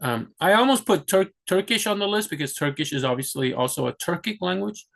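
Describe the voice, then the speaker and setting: A man's voice: sits high, animated, brisk, vocal fry, fairly bright tone. A young man from the US, talking casually about his own plans in a rambling way, with many restarts and fillers. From United States. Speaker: vlogger. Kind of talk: casual talk to camera.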